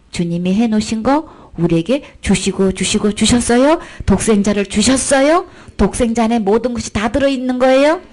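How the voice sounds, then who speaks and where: A woman's voice: mid-range voice, a little mellow. A woman teaching a daytime church Bible lesson, coaxing her listeners with one rhetorical question after another.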